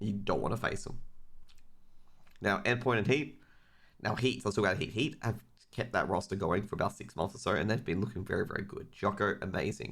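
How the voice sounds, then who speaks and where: A man with vocal fry and a fairly low pitch speaks at a fairly quick pace, using ordinary pitch variation and long, frequent pauses. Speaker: esports commentator. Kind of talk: casual talk to camera.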